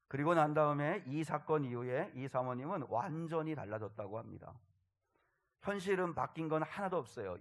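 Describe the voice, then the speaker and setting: Korean pastor preaching with earnest swells. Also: male voice, fairly high pitch. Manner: earnest storytelling, soft drops and swells in loudness. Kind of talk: sermon.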